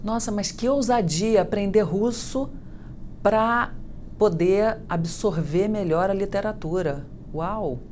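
A middle-aged woman interviewing a guest over a video call, asking long questions and reacting with lively exclamations. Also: mid-range voice, takes it slowly, slight background noise. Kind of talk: TV interview hosting. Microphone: video call webcam.

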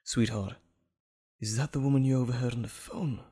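A man's voice: medium pitch, steady tone, a little fast, warm tone, slightly rough. A man playing an anxious, caring doctor in an audio drama, earnest and soothing.

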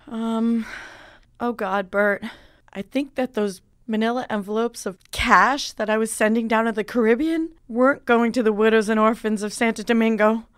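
A woman's voice: fairly high pitch, steady tone, normal speed, clean tone, no echo, clean studio sound, lightly acted. A woman playing an earnest, gullible, dreamy small-town clerk with an effusive manner in an improvised radio drama. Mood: dismayed. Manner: effusive, gushing.

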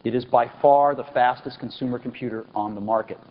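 A man in his forties giving an enthusiastic product launch keynote on a large auditorium stage, pausing for effect and stressing key words. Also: medium pitch, steady tone. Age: 40s. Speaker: company executive presenting a product keynote. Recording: dull lo-fi 1999 event recording with faint hiss.

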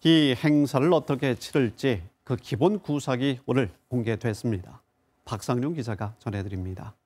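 A male news anchor opens the story in a measured, formal tone. His voice sits at an everyday middle pitch for a man. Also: darkish tone. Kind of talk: scripted news introduction.

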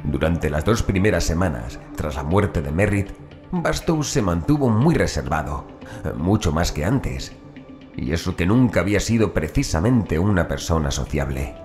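A man reading a horror audiobook as narrator in a measured, phrase-by-phrase manner. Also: sits low, very animated, a little mellow, soft background music.

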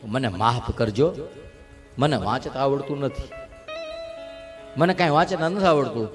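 A man's voice: medium pitch, moderate pace, faint music behind, pitched below the performer's own voice, lightly acted. A man voicing a humble, unlettered priest. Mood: apologetic. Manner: humble, apologetic. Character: humble, unlettered old male priest, tearful devotee.

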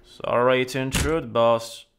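A woman's voice: very deep voice, fairly even intonation, takes it slowly, noisy background. A woman playing a mafia boss's easygoing, placating underling in an audio roleplay. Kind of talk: scripted audio roleplay acting.

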